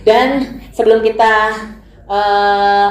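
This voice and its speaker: Female moderator, mid pitch, polite, echoey hall. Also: flat delivery, slow. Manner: polite, formal, guiding. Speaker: host of the press conference. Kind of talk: moderating a press conference. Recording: echoey room.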